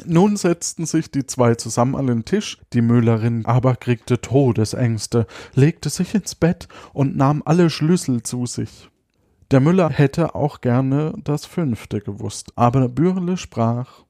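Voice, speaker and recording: Slow, mellow-voiced man reading a fairy tale. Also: medium pitch, expressive, no room sound, studio quality. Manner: unhurried, chuckles and adds asides. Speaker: storyteller.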